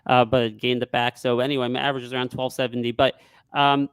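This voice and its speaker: A man who works as a stock trader, talking casually in a live market discussion and pitching his view with confident emphasis. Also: little pitch movement, fast, clear, resonant tone, no echo, studio quality.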